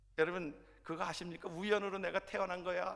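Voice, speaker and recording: A man speaks with a high pitch and fairly even intonation. Audible room echo surrounds the recording. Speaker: pastor. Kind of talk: sermon.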